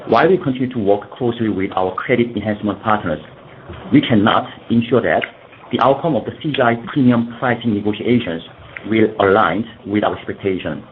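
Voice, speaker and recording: A man's voice: on the low side, brisk. A man in the role of a company executive, formally reading prepared earnings call remarks and sometimes stumbling over his words. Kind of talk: scripted earnings call presentation. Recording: dull lo-fi conference call, faint noise.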